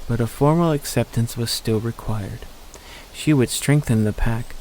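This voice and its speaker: Male story narrator, mid-pitched voice. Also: warm tone, a little hiss or hum, low-quality recording.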